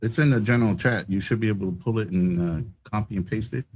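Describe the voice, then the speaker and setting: A man's voice: on the low side, fast, darkish tone, a little hiss or hum. A man hosting a casual online panel, talking guests through how to share the link. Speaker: panel host.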